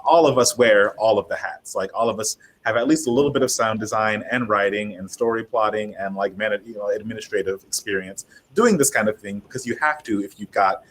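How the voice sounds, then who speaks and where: A man speaking casually and a little ramblingly as a panelist in an online discussion, with a husky voice. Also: lowish voice, fairly quick, hardly any pauses, slight background noise. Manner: rambling, self-interrupting. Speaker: panelist, fiction podcaster.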